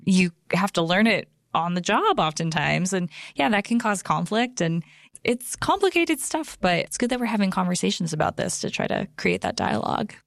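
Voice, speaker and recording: Female podcast co-host; gravelly, fry-heavy voice, dry close sound, conversational. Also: on the low side, very animated, normal speed, no room sound. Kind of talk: casual discussion.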